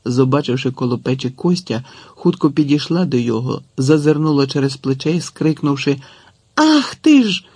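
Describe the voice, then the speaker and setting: A man reading a literary story aloud in an expressive audiobook narration. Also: medium pitch, fairly quick, slightly rough, no echo.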